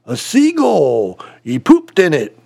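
Man doing a gruff old pirate, growling, gravelly, slow. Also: a little high, wildly swooping pitch, mellow, heavily acted. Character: old growling one-legged male pirate.

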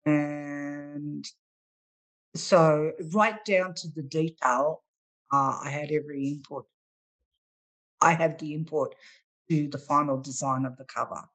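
Australian woman, author guest, low voice, bright tone, lively, video call. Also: slow, pauses often, rough recording. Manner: lively, exclaims and laughs readily. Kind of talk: casual interview chat.

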